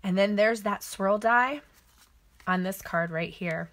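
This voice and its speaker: A woman's voice: mid-range voice, slow, fairly bright tone. A middle-aged woman hosting a casual catalog walk-through, chatty and gushing, thinking aloud as she shows her cards. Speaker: papercraft demonstrator.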